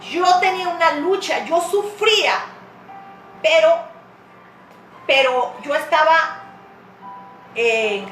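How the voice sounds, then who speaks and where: A woman's voice: high-pitched, fairly bright tone, roomy sound, low-quality recording. A woman pastor preaching a sermon with passion, sometimes acting out tearful prayers.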